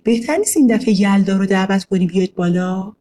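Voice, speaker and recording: A woman narrator voicing a patient, caring mother who asks calm, kindly questions. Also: medium pitch, slight background noise, natural voice. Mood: gentle.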